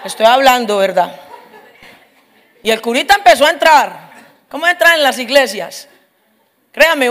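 High-voiced woman preaching. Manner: lively storyteller, acts out voices, laughs often. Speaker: preacher giving testimony. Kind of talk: humorous preaching testimony.

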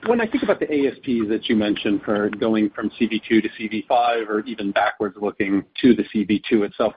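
A man's voice: fairly low pitch, noisy background. A male financial analyst asking questions on an earnings call. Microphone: conference call line. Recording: husky, slightly dull call audio.

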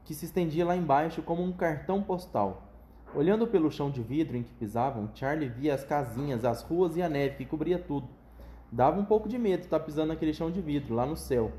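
A man reading a children's book aloud at home, pausing for patient, conversational asides with a child. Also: a little high, animated, warm tone, echoey room.

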